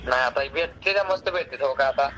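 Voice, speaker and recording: A man with a rural Maharashtrian accent making colloquial, flattering small talk in a casual phone chat. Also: mid-range voice, fast talker. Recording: noisy recorded phone call.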